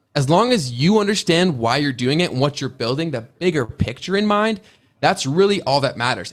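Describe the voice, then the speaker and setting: At a fairly quick pace, a man speaks in an animated tone with lively intonation and a fairly high pitch, on a very clean recording with a silent background. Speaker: YouTuber and social media agency owner. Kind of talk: podcast interview. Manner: fast.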